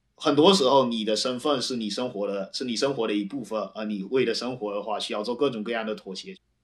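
A man's medium-pitched voice at a fairly quick pace, a plain, everyday voice. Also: hardly any pauses. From China, Fuzhou. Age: 20s. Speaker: high school math teacher. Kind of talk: interview conversation.

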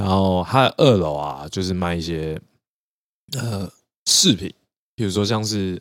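A man with a very deep, low pitch speaks at a fairly slow pace with long, frequent pauses and ordinary pitch variation, the sound dry and close with no echo on a very clean recording with a silent background. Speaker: podcast co-host. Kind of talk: casual chat.

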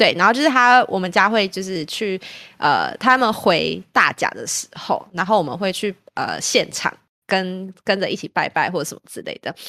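A woman with an animated, bright and sharp tone speaks at a moderate pace and medium pitch. The sound is dry and close, with no echo. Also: ordinary pitch variation, big swings in loudness. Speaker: podcast host. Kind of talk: casual chat. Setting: online recording. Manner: animated, laughing often.

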